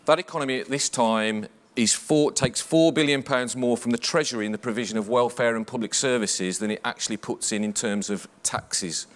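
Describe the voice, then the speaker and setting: A man with a Black Country accent, a police chief superintendent, giving a measured, formal presentation at a conference. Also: medium pitch. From English West Midlands. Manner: measured, formal briefing delivery.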